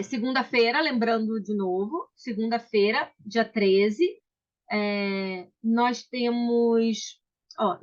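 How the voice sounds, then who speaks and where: A woman hosting a book club on a video call, chatty and welcoming, with frequent restarts. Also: on the high side. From Brazil. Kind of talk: casual video call chat. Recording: slightly dull video call audio.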